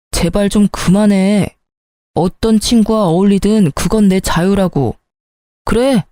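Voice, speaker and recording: A grumbling married man, put on by a woman reader, making excuses in a petulant, self-justifying tone. The voice is low-key and mellow rather than bright. It is recorded close and dry, like a storybook drama. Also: no room sound, lightly acted. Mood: annoyed. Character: irritated married man, hungover and defensive.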